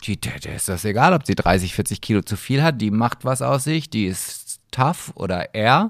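A man's medium-pitched voice with very wide pitch swings and hardly any pauses, on a very clean, dry, close recording with a silent background and no echo. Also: moderate pace. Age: older than co-host. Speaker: podcast co-host. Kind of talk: casual chat.

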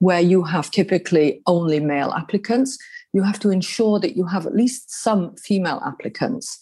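A woman with an English accent speaks in a dark, mellow, somewhat breathy tone. Her intonation is lively, and the background is quiet. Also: medium pitch for a woman, moderate pace. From England. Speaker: bank executive and mentor. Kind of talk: interview.

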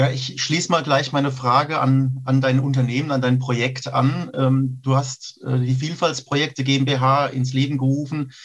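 Flat, monotone intonation marks this man's medium-pitched, somewhat breathy voice. He keeps a moderate pace with hardly any pauses. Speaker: academy study director, podcast host. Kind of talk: scripted narration and moderation. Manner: formal.

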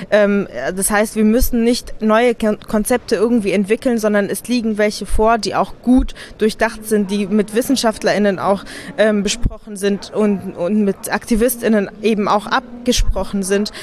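A woman speaks at a fairly slow pace, fairly high in pitch. Her intonation is monotone and flat, with noticeable background noise behind her. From Syria. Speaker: youth party spokesperson. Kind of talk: interview. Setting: at a party congress.

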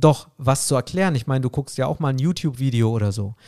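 A man speaks at a fairly quick pace in a dark, mellow tone. The sound is dry and close with no echo. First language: not German (speaking German). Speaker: podcast co-host. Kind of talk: casual chat.

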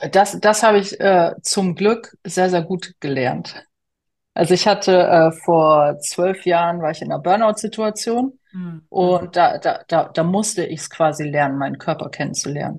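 Fairly low for a woman, her voice moves at a fairly slow pace with ordinary pitch variation. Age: 40s. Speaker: self-employed podcast guest. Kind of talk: casual interview. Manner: halting.

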